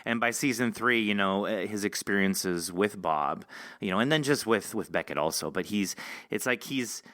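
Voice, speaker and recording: A man's voice: fairly low pitch, normal speed, a bit bright, no room sound, studio quality. A man, a voice actor guest on a podcast, chatting casually, laughing often and swearing now and then. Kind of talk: casual interview chat.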